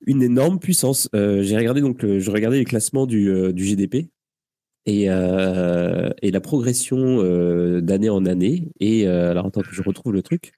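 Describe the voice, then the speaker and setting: A man's voice: lowish voice, moderate pace, warm tone, no echo, clean studio sound. A man hosting a live radio talk show, his sinuses blocked, talking in a hesitant way with many fillers and restarts. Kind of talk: casual live radio chat.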